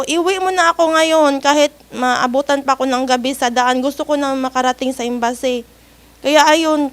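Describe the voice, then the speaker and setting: A woman, an overseas worker, earnestly and politely recounting a personal ordeal in an interview, with nervous laughs. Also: sits high. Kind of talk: personal story told in an interview.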